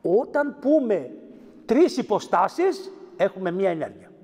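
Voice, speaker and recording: Animated priest preaching in an echoing church. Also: male voice, sits high. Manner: teaching, animated, acts out quoted lines. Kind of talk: sermon. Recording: echoey church hall.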